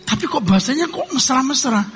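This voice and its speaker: A man's voice: very high voice, very animated, a little fast, fairly bright tone, long reverb tail, soft background music, pitched above the performer's own voice, heavily acted. A man voicing a suspicious wife who keeps prodding her husband with questions, inside a sermon.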